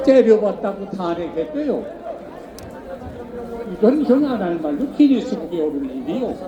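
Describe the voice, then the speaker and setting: Against crowd noise, a man with a high voice talks fairly slowly, his pitch swinging very widely, with long, frequent pauses. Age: 80s+. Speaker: pastor. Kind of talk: political rally speech. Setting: outdoors.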